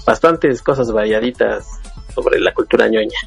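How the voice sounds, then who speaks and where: A man hosting a casual podcast, relaxed and asking his co-host questions. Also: mid-range voice, moderate pace, creaky, slightly rough, soft background music.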